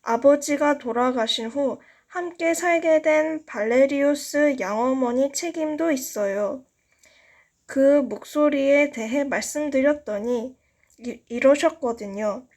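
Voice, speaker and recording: A woman's voice: high voice, slow, darkish tone. A woman reading a novel aloud as an amateur narrator, careful in her delivery and now and then stumbling. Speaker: amateur audiobook reader.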